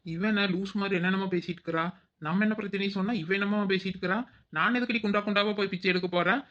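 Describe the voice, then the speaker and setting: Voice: medium pitch, fairly even intonation, rapid-fire, fairly bright tone, close to an everyday voice. A performer voicing a whiny young daughter-in-law. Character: young village daughter-in-law, hungry and exasperated. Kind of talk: cartoon voice acting. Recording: dull lo-fi recording.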